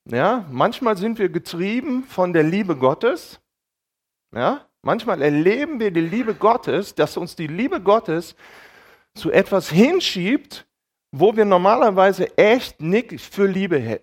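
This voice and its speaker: A man gives a casual sermon, his fairly high voice rising and falling with lively movement. He takes his time and keeps asking his listeners if they are following. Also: slow pace, husky. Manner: colloquial, keeps checking in with "ja?" and "okay?"; retells dialogue in lively acted quotes. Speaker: preacher.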